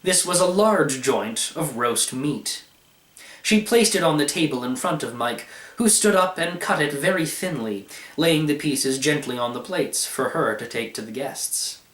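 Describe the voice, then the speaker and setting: Animated male story reader in echoey room. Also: on the high side, measured pace. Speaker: narrator reading a short story. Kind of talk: expressive scripted narration.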